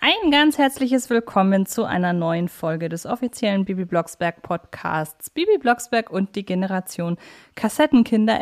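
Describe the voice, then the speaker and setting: A woman hosting a podcast interview in a chatty, conversational style. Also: medium pitch. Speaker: podcast host.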